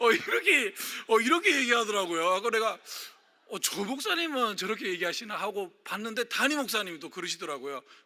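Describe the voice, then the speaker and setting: This man talks at a fairly quick pace in a high pitch, his voice raised and projected. His tone is bright, sharp and animated, with lively intonation. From Daegu, South Korea. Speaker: pastor. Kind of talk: sermon.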